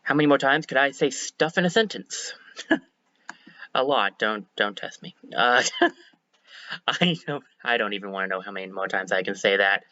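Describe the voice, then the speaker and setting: A slightly hoarse man streaming a game, chatting casually and thinking aloud as he corrects himself. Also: on the low side, expressive, moderate pace, sharp tone, dry recording, lo-fi sound. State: a bit hoarse. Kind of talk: casual let's-play commentary.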